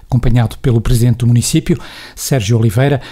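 A man reading a scripted news voice-over in a brisk, measured way. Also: mid-range voice, steady tone, dark tone, breathy edge. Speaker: news narrator.

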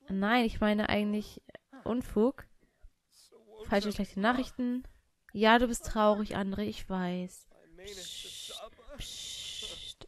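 A young woman doing casual gameplay commentary, chatting and bossing her game characters around with quick exclamations. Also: mid-range voice. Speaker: let's player.

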